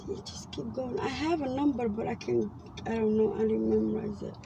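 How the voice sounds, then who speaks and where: A woman's voice: on the high side, a little fast, vocal fry. A woman from Somalia chatting bluntly as a passenger in a car, swearing often. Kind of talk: casual chat. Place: inside a car. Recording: distant phone mic, heavy road noise.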